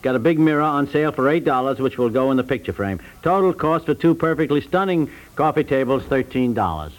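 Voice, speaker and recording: A man's voice: mid-range voice, animated, a little fast, lightly acted, poor audio. A man playing an affable but harried, resigned husband, folksy and repetitive, in an American accent and 1950s radio comedy style. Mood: glum, resigned. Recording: vintage 1950s radio broadcast.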